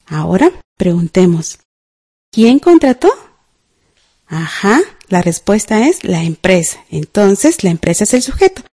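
A woman's voice: mid-range voice, big pitch swings, unhurried, dark tone, slightly rough. A woman teaching a scripted radio grammar class. She is patient, spells words out and checks in with the listener.

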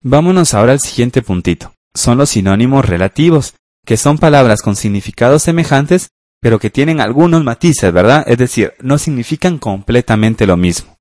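A man, teaching a radio school language lesson in a patient, slow way and often checking in with listeners. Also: mid-range voice, lively intonation, a little mellow, no room sound, clean studio sound.

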